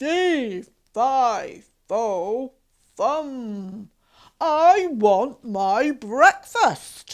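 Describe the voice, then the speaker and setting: Using a put-on character voice, a woman speaks high. Her pace is very slow. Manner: gruff, demanding.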